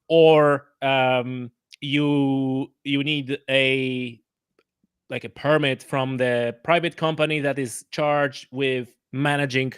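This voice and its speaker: A man from Poland with a Polish accent, explaining things haltingly as a guest in a casual interview. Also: medium pitch, smooth, dry recording, clean studio sound. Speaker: podcast guest.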